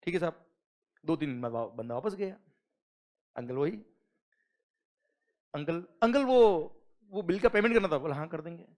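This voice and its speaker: A middle-aged man teaching tax law in a classroom. His voice sits high and swings widely as he acts out a story and fires questions at his students. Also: animated, moderate pace, pauses often, darkish tone. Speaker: GST lecturer. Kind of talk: classroom lecture with acted anecdote.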